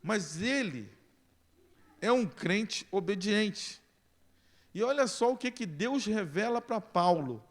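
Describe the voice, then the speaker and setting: A male pastor with a Brazilian Portuguese accent preaching a sermon, swinging from loud emphasis to quiet intensity. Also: high-pitched, lively intonation, slow, pauses often.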